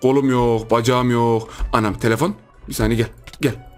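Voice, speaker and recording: A man's voice: medium pitch, steady tone, moderate pace, faint music behind. A young man giving casual, joking gameplay commentary, full of exclamations and laughter. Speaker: gaming YouTuber.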